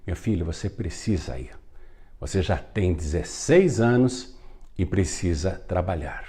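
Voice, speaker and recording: Man playing a strict farm dad, firm and plain, dark voice. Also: low voice, animated, unhurried, breathy edge, voice pushed down, exaggerated voice. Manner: firm, matter-of-fact instructions. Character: stern poor farming father.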